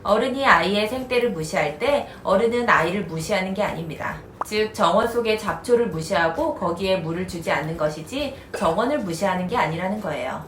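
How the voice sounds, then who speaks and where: A woman in her thirties calmly explaining parenting advice as the host of an educational video. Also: mid-range voice, a little fast, few pauses, a little hiss or hum. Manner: calm, even, instructive. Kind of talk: scripted explanatory narration. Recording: roomy echoey recording.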